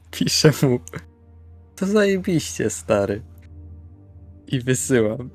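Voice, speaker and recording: A man improvises his part in a tabletop role-playing session. His voice sits at an average pitch and his phrasing is blunt, peppered with swearing. Music plays underneath. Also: sing-song, slow. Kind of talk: improvised in-character play with narrated actions, sweary. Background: background music.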